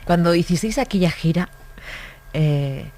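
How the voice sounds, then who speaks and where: A woman's voice: lowish voice, expressive, measured pace, warm tone. A woman from Spain interviewing a guest on the radio, asking questions and voicing her admiration. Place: radio studio.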